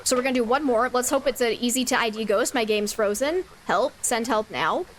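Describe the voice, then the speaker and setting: A slightly high, slightly fast female voice comes through with a little hiss or hum. She's streaming a game and chatting casually, laughing plenty and reading out viewer messages.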